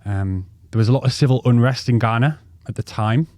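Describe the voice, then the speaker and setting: Co-hosting a podcast in a casual storytelling chat, a North East English man in his thirties, with the region's accent, rambles through life stories, swearing and full of ums and restarts. He talks a little fast in a mid-range, darkish voice, recorded dry at studio quality.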